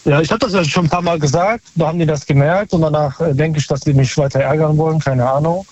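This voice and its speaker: A man's voice: a little high, steady tone, quick pace, darkish tone, dry recording. A male caller from near Cologne, heard over a phone line, talking hesitantly with many fillers and keeping things guarded. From near Cologne, Germany. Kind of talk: phone-in chat.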